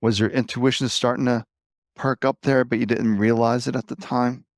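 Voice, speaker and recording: A man's voice: mid-range voice, little pitch movement, moderate pace, dry recording, studio quality. A man hosting an interview, sympathetically recapping his guest's story and asking follow-up questions. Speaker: podcast host.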